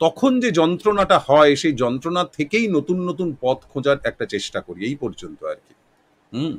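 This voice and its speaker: Big swings in loudness and very wide pitch swings from a man with a fairly high voice. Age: 50s. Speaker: poetry reciter. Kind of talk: casual chat. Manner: formal. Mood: reflective, earnest. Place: home room. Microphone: webcam.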